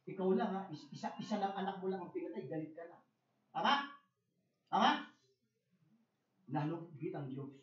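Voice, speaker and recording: A Filipino man preaching a bilingual sermon as pastor, shifting from soft, low asides to loud, emphatic lines, often stammering and repeating words. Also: moderate pace, pauses often. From Philippines. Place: church conference hall. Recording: roomy, dull church recording.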